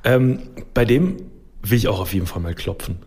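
A man's voice: lowish voice, fairly quick, a little mellow. A man chatting casually and humorously as a podcast co-host, informal and enthusiastic.

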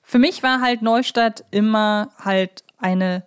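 A woman's voice: a little high, slow, clean tone. Woman chatting as a podcast co-host. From Hamburg, Germany. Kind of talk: casual conversational podcast discussion.

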